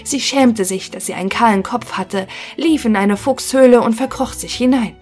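Woman narrator, fairy tale audiobook, clear gentle storytelling, soft background music. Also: on the high side, moderate pace. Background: faint music.

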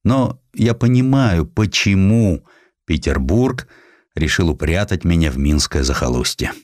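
A man voicing a brisk, self-assured nineteenth-century general in an audiobook, commanding and emphatic. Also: sits low, sing-song, a little mellow, dry recording, clean studio sound. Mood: musing. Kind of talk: audiobook character acting.

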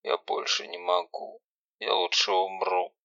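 A man's voice: steady tone, normal speed, vocal fry, sharp tone, dry recording, heavily acted. Man doing a tearful sick young woman. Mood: weak despairing. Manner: high whimpering plea. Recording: dull lo-fi recording.

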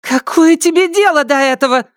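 A man voicing a spoiled, furious rich teenage girl in an audiobook, shrill, mocking and scornful. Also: normal speed, dry recording, studio quality. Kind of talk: audiobook character voice.

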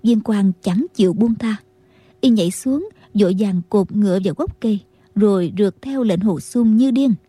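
A woman narrating a martial-arts novel as an audiobook, in a steady storytelling manner. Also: medium pitch, moderate pace, slightly rough, dry recording.

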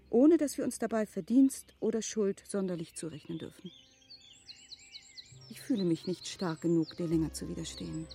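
An actress playing a thoughtful, cautious married gentlewoman in a literary radio drama, speaking in measured, eloquent, formal phrases. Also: medium pitch, natural voice. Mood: grave, yielding. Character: thoughtful, cautious married gentlewoman, yielding yet clear-sighted.

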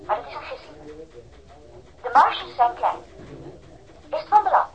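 A woman's voice: sits high, very animated, normal speed, lo-fi sound. An actress playing a cooperative female pathologist who speaks in a precise, formal, cautious way, in radio drama dialogue.

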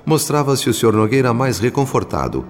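A man narrating a radio drama as a humble spirit, in a solemn, measured, literary manner. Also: mid-range voice, sing-song, close to an everyday voice. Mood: solemn, compassionate. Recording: long reverb, music behind.

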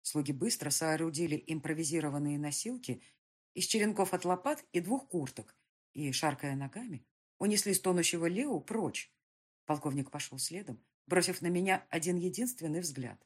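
A woman reads an audiobook in a slightly husky, breathy voice that sits on the low side. She narrates with real drama, and her pitch swings widely as she reads. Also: moderate pace. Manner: expressive, dramatic reading. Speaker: audiobook reader. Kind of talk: audiobook narration in the first person.

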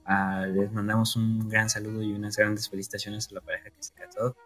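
Low-voiced Mexican man, rambling. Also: level tone, fairly quick, a bit bright, faint music behind. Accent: Mexican Spanish. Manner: rambling, restarts, says güey often. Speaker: podcast co-host. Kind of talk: casual chat.

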